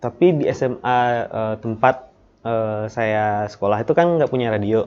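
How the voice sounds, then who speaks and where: A man's medium-pitched voice with a West Sumatran accent. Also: ordinary pitch variation, fairly slow pace. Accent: West Sumatran (Minang) dialect. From West Sumatra, Padang Panjang. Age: 20s. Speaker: radio broadcaster, doctoral student. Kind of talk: talk show interview. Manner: hesitant, many fillers.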